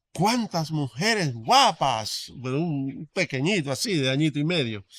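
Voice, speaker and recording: The speaker has a Dominican accent and lively intonation at a very slow pace. The sound is dry and close, with no echo. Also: man. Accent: Dominican, noticed by Galicians. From Dominican Republic. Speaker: immigrant, son of Galician emigrant. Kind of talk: testimony in podcast conversation. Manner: halting, many repetitions and fillers.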